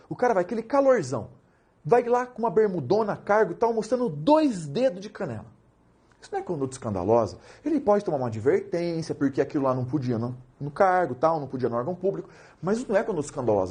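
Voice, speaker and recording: Animated, joking Brazilian man teaching law. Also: high-pitched, husky. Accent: Brazilian Portuguese. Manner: animated, jokey, asks rhetorical questions. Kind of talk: lively recorded lecture.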